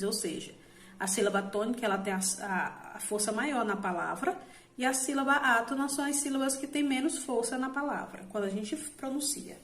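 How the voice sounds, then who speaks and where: A woman's voice: medium pitch, reverberant. A woman teacher giving a recorded online lesson, explaining step by step with frequent "né?" check-ins and self-corrections, drawing out example words. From Brazil.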